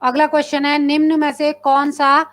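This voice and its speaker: A woman teaches a live exam-prep class in a high voice. She reads each question and its options aloud, asks her viewers to answer, and confirms the right option. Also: monotone, moderate pace, fairly bright tone. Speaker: Hindi teacher.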